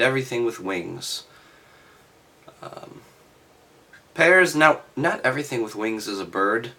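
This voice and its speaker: A man reading aloud and adding halting, offhand, skeptical commentary with sardonic asides. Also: medium pitch, sharp tone. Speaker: reader and commentator.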